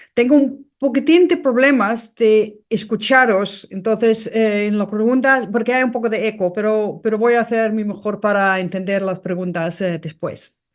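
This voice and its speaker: With a Danish accent, a woman talks at a moderate pace in a fairly high voice with ordinary pitch variation. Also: hardly any pauses. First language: Danish (speaking Spanish). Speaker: mathematics professor. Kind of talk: lecture. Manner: halting, searching for words.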